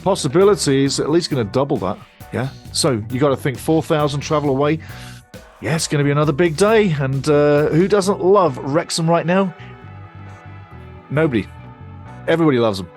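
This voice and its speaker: A man's voice: a little high, animated, moderate pace, a little mellow, faint music behind. A man hosting a football fan show in casual, upbeat chat, with punchy exclamations and lots of repeating himself. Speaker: fan channel host. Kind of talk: casual pre-match football show talk.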